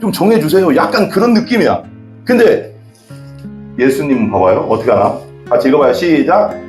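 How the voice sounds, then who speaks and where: In an echoey church sanctuary, a pastor delivers a casual, conversational sermon, often pausing to ask the congregation questions. His mid-range voice has a darkish tone and a sing-song lilt at a moderate pace, with soft background music playing.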